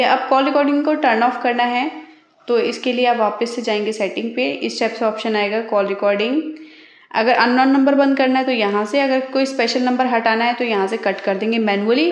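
Echoey, higher-pitched woman giving a tutorial. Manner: instructional, demonstrating as she goes. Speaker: host of phone tutorial videos. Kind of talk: step-by-step tech tutorial narration. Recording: roomy, echoey voice recording.

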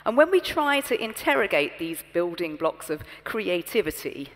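A woman's voice: fairly low pitch, normal speed. British woman giving a keynote on stage. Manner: poised, expressive, storytelling delivery. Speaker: keynote speaker. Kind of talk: scripted keynote speech. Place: large conference stage. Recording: long reverb from a large hall.

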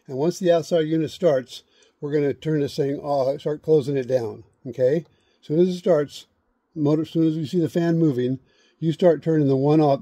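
Middle-aged male instructor, deep-toned and dry, walks through steps outdoors, keeps checking "okay?". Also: mellow, dry recording. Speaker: HVAC instructor. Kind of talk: hands-on how-to demonstration. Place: outdoors beside an air conditioner unit. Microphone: camera held close, point of view.

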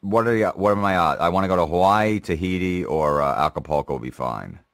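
A man's voice: low-pitched, fairly quick, fairly bright tone, no room sound, clean studio sound. A man making a brash, crude prank call to an office. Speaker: prank caller. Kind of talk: cocky prank phone call.

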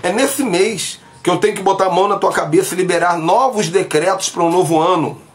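A man's voice: high-pitched, a little fast, a little hiss or hum. A man preaching on a live stream from a small bedroom, emphatic and talking straight to his viewers through a phone camera while sick with covid. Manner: emphatic, gestures broadly, speaks to viewers directly. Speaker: pastor. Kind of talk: livestream preaching. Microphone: phone camera at arm's length.

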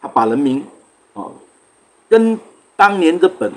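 A man's voice: on the high side, very animated, measured pace. A man from Singapore hosting a casual livestream, chatting loosely, greeting viewers by name and laughing often. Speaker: livestream host.

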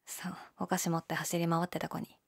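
A young woman playing a laid-back, shyly candid gyaru convenience-store clerk in an audio drama, with a breathy, hesitant, mumbled delivery. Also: monotone, brisk. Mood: shy, pleased. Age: young adult. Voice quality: low, breathy. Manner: listless, hesitant, mumbled casual polite speech. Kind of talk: male-oriented situation voice drama, casual chat.

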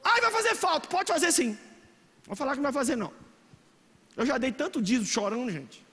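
A middle-aged man with a Minas Gerais Brazilian accent, preaching a lively youth sermon in a large church hall, animated and joking, often shouting for emphasis. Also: very high-pitched, brisk. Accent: Brazilian Portuguese, Minas Gerais. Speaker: pastor. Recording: long hall reverb.

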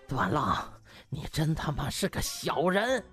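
A man's voice: a little high, sing-song, measured pace, a bit bright, faint music behind. A man voicing a proud, defeated older hospital director in an audiobook, glowering and curt with anger. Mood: bitter anger. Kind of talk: audiobook character acting.

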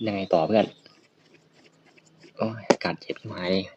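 A man giving loud, excitable and profane commentary while playing a video game. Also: low-pitched, normal speed, lo-fi sound, noisy background. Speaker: gaming streamer. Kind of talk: casual gameplay commentary. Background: faint birds chirping.

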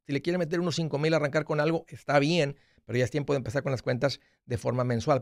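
A man's voice: mid-range voice, creaky, darkish tone, no room sound. A man in his forties hosting a money advice call-in show from a small studio, talking directly and often restarting his words. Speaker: radio show host giving money advice. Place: small studio with acoustic foam wall. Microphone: studio mic with headphones.

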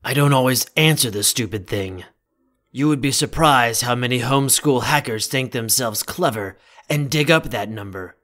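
A man playing a stern, protective young CEO in an audio drama, speaking formally and deliberately with a commanding manner. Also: mid-range voice, a bit bright, lightly acted. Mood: grave, stern.

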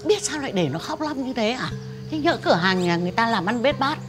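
A woman's voice: fairly high pitch, expressive, quick pace, over music, natural voice. An actress playing a blunt, earthy old village woman who teases the young people around her in a TV drama. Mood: scolding. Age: older. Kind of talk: TV drama acting.

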